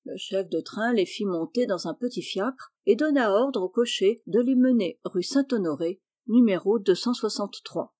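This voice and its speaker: A woman narrating a classic storybook in a calm, measured way. Her voice is mellow and dark-toned, at a medium pitch for a woman. It is a plain audiobook reading. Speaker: audiobook reader.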